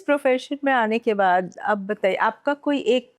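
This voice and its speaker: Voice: medium pitch, normal speed, smooth, dry recording, studio quality, soft background music. An interviewer asking a guest questions and responding with short murmurs while listening.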